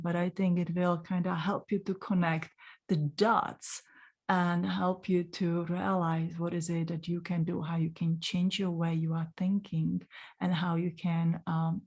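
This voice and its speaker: A woman in her forties with a Czech accent, telling a personal story in a gentle, unhurried way and speaking directly to the listener. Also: fairly low pitch. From Czech Republic. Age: 40s. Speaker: spiritual channeler.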